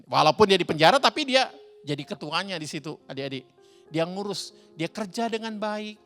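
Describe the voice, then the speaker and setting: A man's voice: high voice, fairly quick. A man telling a Bible story to children as a Sunday school teacher, asking them questions as he goes. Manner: animated, addresses children directly, asks questions. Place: church hall. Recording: roomy church hall with faint music.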